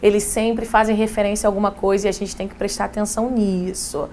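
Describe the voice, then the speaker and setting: A woman's voice: medium pitch, level tone, quick pace, a little mellow, a little hiss or hum. A woman giving a casual exam-prep English lesson, talking straight to her students. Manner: casual, chatty teacher who addresses students directly. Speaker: English teacher.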